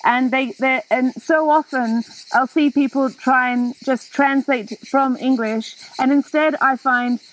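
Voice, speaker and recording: A woman in her thirties hosting a casual chat outdoors, animated and quick to laugh. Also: sits high, poor audio. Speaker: host. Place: outdoors in a garden, seated in a hammock.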